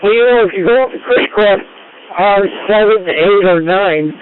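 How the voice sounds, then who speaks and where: A man running an amateur radio net over two-way radio, explaining things in a casual, halting way. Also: sits high, smooth, dry recording, narrow, tinny audio. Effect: two-way radio transmission. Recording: band-limited two-way radio audio.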